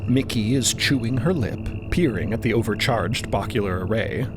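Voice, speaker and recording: A man's voice: fairly low pitch, normal speed, music in the background. A man delivering vivid, scripted narration for an audio drama.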